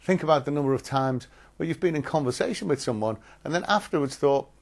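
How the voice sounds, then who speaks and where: A man presenting a training film in a measured, articulate, instructive way, as scripted narration. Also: on the high side.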